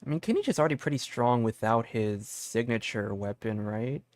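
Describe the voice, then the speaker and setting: Casting: young man, game streamer, excitable rambling chatter, average pitch, dry close mic, music underneath. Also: moderate pace, no echo. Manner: excitable, rambling, repeats words. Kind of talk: casual live gameplay commentary.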